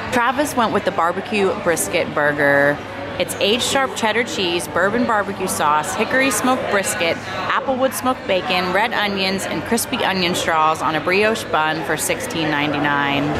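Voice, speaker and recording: Music is heard in the background. The speaking goes along at a moderate pace. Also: woman. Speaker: vlogger, host. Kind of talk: casual vlog chat, food review. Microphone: phone near.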